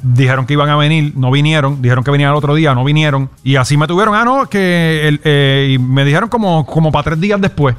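A man hosting a casual call-in radio show, joking and animated. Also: a little high, fast, hardly any pauses, clear, resonant tone, faint music behind. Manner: joking, animated, laughs often. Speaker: radio host.

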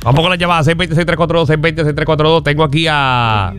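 A man with a Puerto Rican accent hosting a joking radio call-in show, playful and quick to laugh. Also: on the high side, a bit bright, soft background music. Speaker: radio host taking calls.

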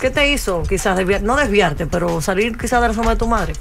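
Radio co-host, joky, bright sharp voice, faint music. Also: medium pitch, animated, fairly quick, creaky. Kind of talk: casual radio chat.

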